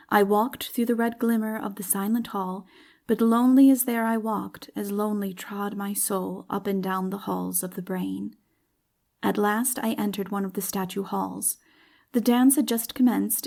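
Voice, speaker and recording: A woman's voice: medium pitch, vocal fry, a little mellow. Woman reading a classic novel aloud, dramatic audiobook narration.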